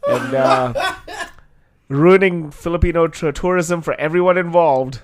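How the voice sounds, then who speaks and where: A man's voice: a little high, expressive, a little slow, slight background noise. A man co-hosting a comedy podcast in a studio, teasing his friends and laughing often. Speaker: podcast co-host. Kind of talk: joking casual chat.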